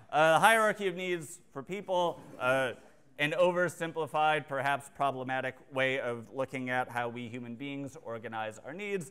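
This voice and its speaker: A man talks at a moderate pace. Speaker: conference presenter. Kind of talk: lecture. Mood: relieved, lightly amused. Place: classroom. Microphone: webcam.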